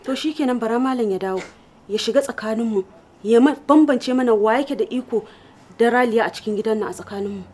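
A woman's voice: on the high side, quick pace, a little mellow, natural voice. A woman with a Nigerian Hausa accent playing an indignant, domineering wife in a TV drama, scolding and accusing. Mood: aggrieved. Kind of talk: TV drama acting. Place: open concrete courtyard.

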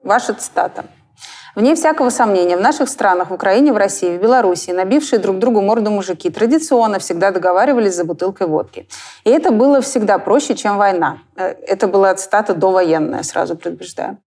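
A woman in her thirties hosting an interview, asking questions in a calm, measured way with small hesitations, on a lapel mic in a dim studio. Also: mid-range voice. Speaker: interviewer host.

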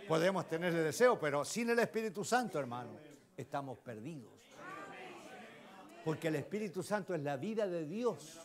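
A man with a Chilean accent preaching a sermon, often turning to the congregation with questions and swinging between loud exclamations and hushed asides. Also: fairly high pitch. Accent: Chilean Spanish. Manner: emphatic, keeps asking the congregation rhetorical questions. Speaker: lay preacher.

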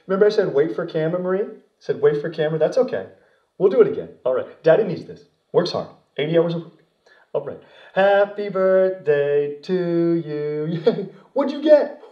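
A man's voice: on the high side, very animated, moderate pace, far from the mic, dull audio. A man playing an overeager birthday dad. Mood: coaxing. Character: overeager dad filming his daughter's birthday. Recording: roomy echo.

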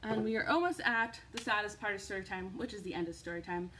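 A young adult woman presenting an upbeat children's storytime in an animated, encouraging way, recorded in a room at home. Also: mid-range voice, quick pace, low-quality recording. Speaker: children's librarian hosting storytime. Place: indoors, living room at home.

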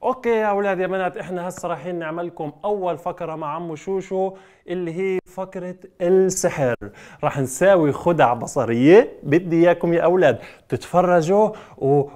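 Leading children in call-and-response during a magic show, a man with a high-sitting, darkish voice coaxes them along and adds playful exclamations, keeping the presentation lively.

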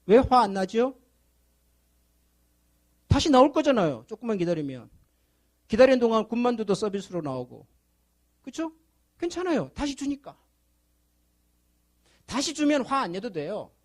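A man's voice: high-pitched, big pitch swings, moderate pace, pauses often, darkish tone. A male pastor preaching a sermon, telling a story to the children with questions to the congregation, then building to fervent appeals. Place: church sanctuary.

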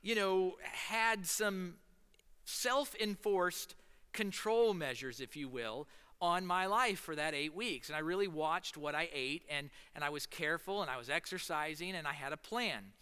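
A Midwestern-accented man in his thirties preaches a relaxed, anecdotal sermon from a church stage into a headset mic. His voice is bright, crisp and a touch high. A long hall reverb trails his words. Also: a little slow. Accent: Midwestern American. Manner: storytelling, animated with hand gestures, seated on a stool. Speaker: pastor. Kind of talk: casual conversational sermon. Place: church stage in front of a large screen.

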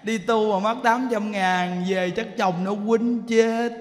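A man's voice: very high voice, a little fast, big-room sound. A monk putting on a fretful, timid old woman. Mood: lamenting. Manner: lamenting, pleading.

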